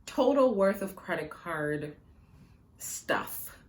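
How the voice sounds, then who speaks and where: A woman's voice: fairly low pitch, animated, takes it slowly. A woman whose first language is Jamaican Patois, chatting to a phone camera at home in a rambling vlog with many fillers and frequent laughs. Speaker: personal finance vlogger. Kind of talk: casual vlog talk to camera. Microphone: phone camera on tripod.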